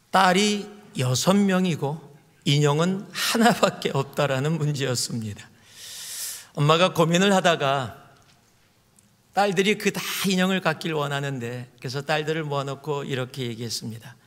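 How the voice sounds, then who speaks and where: A middle-aged man, a senior pastor, preaching a sermon in a storytelling way, his pitch and volume rising and falling widely. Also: a bit bright. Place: church sanctuary. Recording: long hall reverb.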